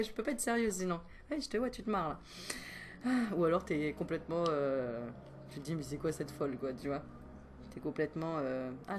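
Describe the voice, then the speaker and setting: A woman's voice: mid-range voice, slight background noise. A woman doing a casual animal card reading as a medium, chatty and playful, breaking into giggles and self-mocking asides while teasing the viewer. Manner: teasing, talks straight to the viewer.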